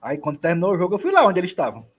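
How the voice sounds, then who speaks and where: A man's voice: high voice, huge pitch swings, very fast, slightly rough. A man, a co-host telling a story in casual chat.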